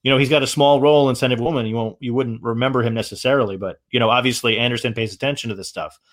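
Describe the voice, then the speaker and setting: A man with a medium-pitched voice chats about films as a host. He talks casually but haltingly, circling back over his phrases while he works out a point. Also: steady tone. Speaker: film discussion host. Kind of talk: casual film commentary chat.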